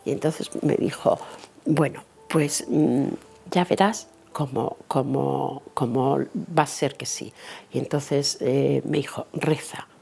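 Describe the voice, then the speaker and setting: A woman's voice: rumbling low, fairly even intonation, takes it slowly, creaky, mellow, husky. A middle-aged woman tells a personal faith story, acting out the dialogue vividly. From Italy and Spain. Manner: vivid, acts out dialogue and inner thoughts. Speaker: interviewee giving a faith testimony.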